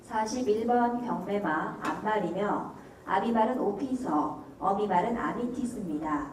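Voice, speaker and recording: A woman's voice: medium pitch, expressive, unhurried, noisy background. A woman announcer formally reading out scripted lot details at an auction. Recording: echoey venue, distant mic, crowd behind.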